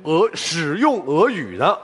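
Animated male host in an echoey hall. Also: a little high, unhurried, crowd noise. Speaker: TV show host. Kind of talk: hosting a job-hunting show. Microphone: headset. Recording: echoey hall, studio audience noise.

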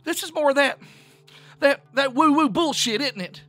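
A man's voice: very high voice, expressive, normal speed, bright, forceful tone, breathy edge, dry recording, soft background music, voice pushed up, heavily acted. A man voicing a frightened, hot-tempered young woman in a story, stammering and pleading tearfully. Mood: hysterical, tearful.

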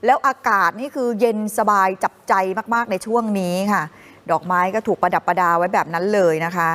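A woman's voice: medium pitch, fairly quick, fairly bright tone. A woman co-hosting a morning news show, chatting upbeat to viewers over travel footage. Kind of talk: casual live TV chat over travel footage.

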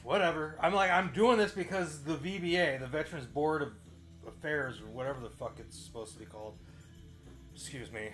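A man's voice: on the high side, a little fast, a bit bright, faint music behind. A man in his forties talking casually to camera as a vlogger, rambling, repeating phrases for emphasis and swearing offhand. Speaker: vlogger and musician. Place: small bedroom home studio, indoors.

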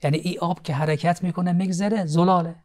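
A male cleric on a TV studio program, calmly telling moral stories and teaching with frequent hesitation fillers. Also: high voice. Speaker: cleric, guest expert. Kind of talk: storytelling religious teaching on TV.

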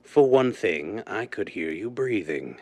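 An actor playing a blind, cold criminal mastermind in a deliberate, commanding, theatrical 1930s radio drama style. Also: male voice, lowish voice, expressive, darkish tone, no room sound. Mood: controlled, menacing. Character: blind, cold, menacing male crime mastermind called the Owl. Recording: noisy vintage-style radio drama recording.

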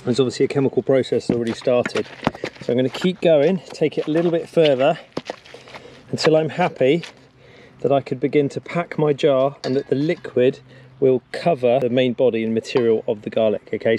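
A man's voice: medium pitch, steady tone, a little fast, dark tone, slight background noise. A man in his thirties giving an upbeat, practical outdoor how-to lesson as a bushcraft instructor, speaking on an action camera in the woods and a cabin. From England. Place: woodland camp and wooden cabin.

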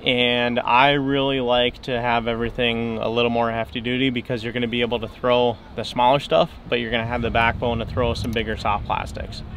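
A man's voice: medium pitch, little pitch movement, fairly quick, hardly any pauses, fairly bright tone, a little hiss or hum. A young man, a fishing guide, explaining gear in a casual outdoor interview on a boat, with fillers and restarts.

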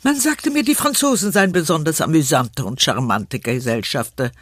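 An actor playing a courtly, urbane gentleman in a radio play, refined and theatrical. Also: fairly high pitch, animated, moderate pace, no echo, studio quality. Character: courtly gentleman making urbane, dry small talk. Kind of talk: audio drama acting in studio outtakes.

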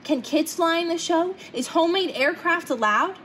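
A woman's voice: extremely high pitch, expressive, moderate pace, a bit bright, slight background noise, voice pushed up. A woman voicing a determined, earnest eight-year-old inventor girl from a storybook. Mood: eager.

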